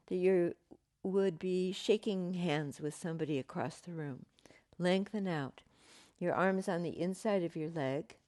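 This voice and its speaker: A woman teaching a yoga class, giving gentle, unhurried cues with pauses and fillers, her voice slightly croaky. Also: on the low side, no echo, clean studio sound. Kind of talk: guided yoga class instruction.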